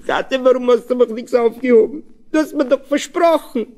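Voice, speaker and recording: Man doing a small scared boy, very high squeaky voice, whiny, repeats himself. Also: lively intonation, a little slow, a bit bright, full character voice. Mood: sobbing.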